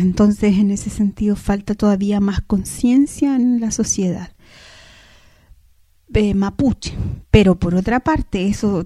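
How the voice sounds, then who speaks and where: A woman from southern Chile with a Chilean accent, a native Mapudungun speaker, giving a measured, thoughtful spoken message as a language activist, pausing often with "eh". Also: mid-range voice, warm tone, no echo. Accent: Chilean Spanish. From Temuco, southern Chile. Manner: measured, thoughtful, frequent "eh" hesitations.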